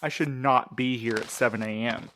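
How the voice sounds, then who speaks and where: An actor playing a sceptical, grumbling postal worker in an audio drama, blunt and questioning. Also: male voice, mid-range voice, fairly even intonation, normal speed, fairly bright tone, slight background noise, close to an everyday voice.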